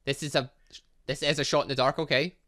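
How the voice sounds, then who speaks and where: A man giving let's play commentary on a game, excitable and reactive, reading dialogue aloud as he goes. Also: a little high, quick pace. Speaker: gaming channel host.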